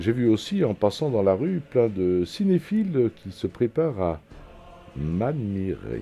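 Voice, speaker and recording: Music plays in the background as a man speaks at a very slow pace. His pitch swings very widely. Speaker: amateur narrator of a short film. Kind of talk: scripted narration.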